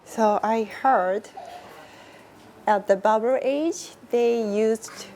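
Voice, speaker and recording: Japanese-accented woman in her 40s, slow deliberate English, faint background hiss. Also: a little high, mellow. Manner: slow, searching for words, laughs often. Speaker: interviewee, Japanese teacher. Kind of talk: casual interview answers.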